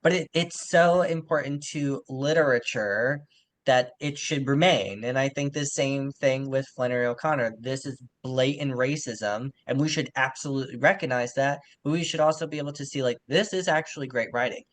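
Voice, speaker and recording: Man discussing literature, medium-pitched voice. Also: moderate pace. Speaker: literary podcast co-host. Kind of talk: casual literary analysis.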